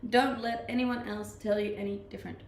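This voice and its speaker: A woman's voice: fairly high pitch, fairly even intonation, brisk. A young woman from Denmark with a slight Danish accent mixed from living abroad, chatting casually with her viewers as she reads their comments. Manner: laid-back, chatty, often laughing. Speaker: streamer. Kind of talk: casual chat reading live comments. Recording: echoey room, faint ambient noise.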